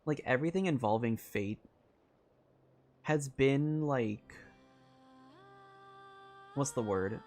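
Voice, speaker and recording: A woman's voice: very deep voice, takes it slowly, pauses often, a little mellow, faint music behind. A woman streamer giving casual game commentary, theorizing aloud in a rambling way that keeps circling back. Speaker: streamer playing and reacting to a game.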